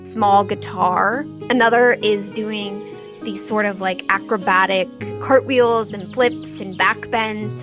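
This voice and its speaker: A woman's voice: mid-range voice, fairly even intonation, takes it slowly. Female game master, mid-range voice. Conversational, improvised, descriptive tabletop narration with a music bed behind.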